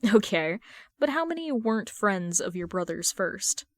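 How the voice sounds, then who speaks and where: A woman's voice: medium pitch, very animated, measured pace, no echo, clean studio sound. A woman reading the part of a teasing young man, a sarcastic best friend with a casual manner, in a story. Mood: wry.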